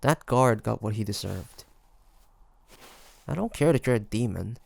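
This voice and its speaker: A man's voice: on the low side, lively intonation, measured pace, vocal fry, full character voice. A man playing a curious, teasing demon hunter in an audio roleplay, talking to the listener in a hesitant, conversational way. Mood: sympathetic, gentle. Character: male demon hunter traveler, curious, teasing, softly tsundere. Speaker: voice actor.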